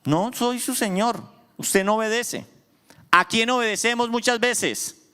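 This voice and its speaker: A man's voice: extremely high pitch, measured pace, pushed and bright, smooth. A man pastor preaching a sermon, asking his congregation questions and answering them himself with emphasis. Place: church hall. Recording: long church hall reverb.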